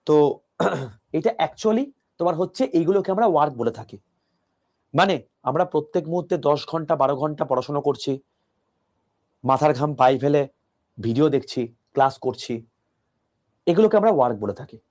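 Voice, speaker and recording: A man teaching an online physics class, talking softly into a close mic and explaining step by step with questions to his students. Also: fairly high pitch, fairly quick, pauses often.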